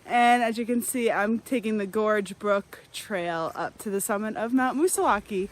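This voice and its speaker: A woman hiking vlogger talking casually to camera while trudging along a snowy winter trail outdoors. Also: medium pitch.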